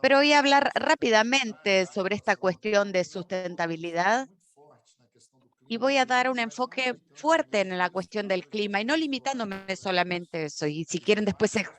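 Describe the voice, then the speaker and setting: A woman giving a simultaneous interpretation of a corporate conference talk, steady but often correcting herself mid-word. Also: mid-range voice, moderate pace. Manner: steady with frequent self-corrections and restarts.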